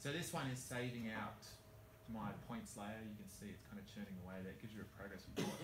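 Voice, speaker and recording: A man speaks at a fairly quick pace with a fairly low pitch and ordinary pitch variation. Noticeable background noise runs under his voice. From Australia. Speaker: software developer. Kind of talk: conference talk. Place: classroom. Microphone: camera far.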